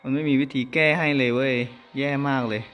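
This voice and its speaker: A man hosting a horror game let's-play, excitable and often yelling in alarm while talking to his viewers. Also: mid-range voice, fairly quick, soft background music. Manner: excitable, exclaims loudly when startled, talks to viewers. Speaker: gaming channel host.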